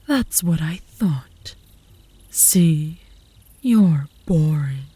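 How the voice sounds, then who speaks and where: A woman's voice: low-pitched, expressive, drawn-out words, warm tone, slightly rough, no echo, heavily acted. A woman playing a cocky, possessive young female werewolf who taunts her rival smugly in a comedic ASMR roleplay. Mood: smug, taunting. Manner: smug, taunting.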